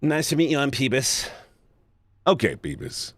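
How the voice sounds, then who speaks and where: Playful, animated man streaming a game. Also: moderate pace, no room sound, studio quality. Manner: playful, jokey, laughing, swings between high and low. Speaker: streamer playing a visual novel. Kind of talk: live game commentary and reading aloud.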